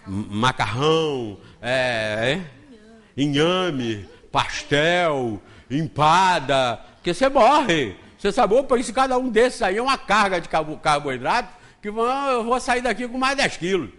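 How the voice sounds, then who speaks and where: A Brazilian man lectures at a spiritist center, slightly high-voiced and very lively in his pitch. He talks in an easy, joking way and slips into acted-out exchanges to make his point. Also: measured pace. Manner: conversational and joking, acts out dialogue. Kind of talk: spiritist lecture with homely anecdotes.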